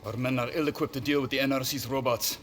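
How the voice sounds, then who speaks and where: An actor playing a weary, courteous male army lieutenant who speaks in a formal, measured way. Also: mid-range voice, steady tone, fairly bright tone, faint music behind, lightly acted. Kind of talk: video game cutscene acting.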